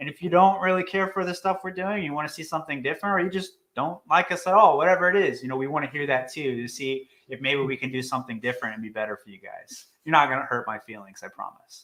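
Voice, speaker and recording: A loud man at a very fast pace with hardly any pauses, a fairly high pitch, a bright, sharp tone and lively intonation. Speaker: real estate investing podcast co-host. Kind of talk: live stream chat.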